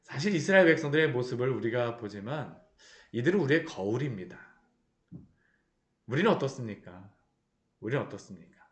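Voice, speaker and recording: A man preaching a sermon as pastor, animated and asking the listeners rhetorical question after rhetorical question. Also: medium pitch, brisk, pauses often, reverberant. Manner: animated, acts out the people he describes. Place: church sanctuary.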